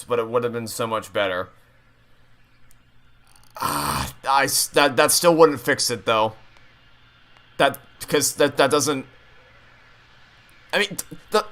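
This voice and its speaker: Bright-voiced man, exasperated game commentary. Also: medium pitch. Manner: ranting, exasperated, sweary. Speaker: gaming streamer playing through a game. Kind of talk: casual game commentary, chatty.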